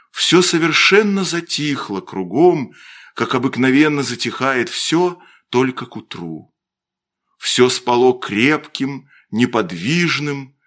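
A man reading a classic story aloud in slow, expressive literary narration. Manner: slow, expressive reading with wide pitch movement.

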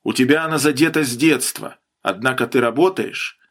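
A man's voice: medium pitch, a little fast, fairly bright tone, close to an everyday voice. A man reading a stubborn dog handler. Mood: stern.

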